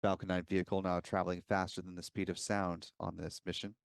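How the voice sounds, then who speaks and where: A man's voice: low voice, flat delivery, quick pace, gravelly, no room sound, clean studio sound. A man giving live, explanatory commentary as host of a launch webcast.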